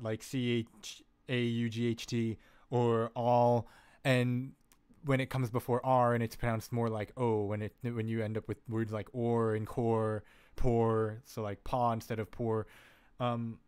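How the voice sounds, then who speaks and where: A man hosts a laid-back live-stream tutorial on tuning vocal synths, a casual technical walkthrough full of "um" and "like," self-corrections, and jokey asides. His mid-range voice is smooth with a darkish tone.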